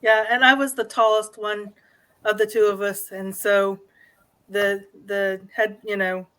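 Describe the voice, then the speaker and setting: A woman is a guest in an interview, sharing a personal account. Her pitch stays very even, and she speaks tentatively, pausing often as she finds her way through each sentence. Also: low-quality recording. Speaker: guest, new paranormal investigator. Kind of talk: hesitant personal storytelling in an interview.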